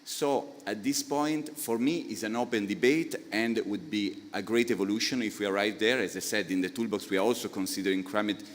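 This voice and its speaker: Panelist, man, italian accent, lowish voice, halting explainer, long hall reverb. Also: steady tone. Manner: explanatory, halting with many filler sounds. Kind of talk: panel discussion answer. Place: conference hall.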